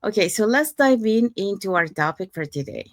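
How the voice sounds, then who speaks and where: A woman from Panama hosting a podcast, giving upbeat, steady explanations in a casual promotional tone. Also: medium pitch, moderate pace, dry recording, studio quality. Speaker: podcast host.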